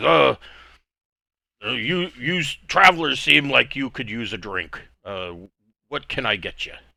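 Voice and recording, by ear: A man puts on a raspy character voice at a medium pitch. His pitch swings very widely, with long, frequent pauses. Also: moderate pace, big swings in loudness.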